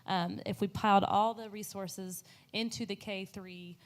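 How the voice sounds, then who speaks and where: A woman's voice: medium pitch, steady tone, unhurried. A woman on a panel, explaining in an earnest way with frequent fillers and restarts. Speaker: panelist on education policy. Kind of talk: panel discussion.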